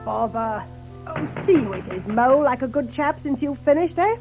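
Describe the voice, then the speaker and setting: An actor playing a chummy, eager gentleman water rat in a children's audio drama, in a jolly old-fashioned British manner. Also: sits high, lively intonation, moderate pace, music in the background. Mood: breezy. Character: chummy, chirpy, upper-class male water rat.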